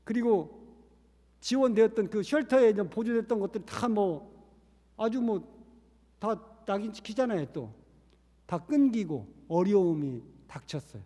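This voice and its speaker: A missionary preaches a sermon in a church sanctuary, his high, mellow voice expressive at normal speed with long pauses. He tells a story earnestly, acting out the quoted voices, and the hall is reverberant.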